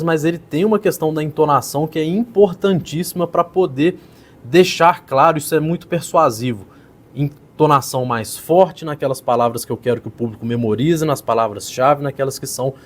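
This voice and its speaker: A man, a public speaking coach, casually explaining and critiquing a politician's speech as he pauses the clip. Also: on the high side. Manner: explanatory, pauses clips to critique, repeats "então". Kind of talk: casual video commentary.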